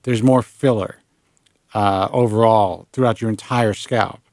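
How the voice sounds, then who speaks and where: Late-40s guy hosting a chat show, lively, swears a bit, dry close sound. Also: lowish voice, measured pace, no echo. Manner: animated, swearing, lots of restarts. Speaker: show host. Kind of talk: casual radio show chat.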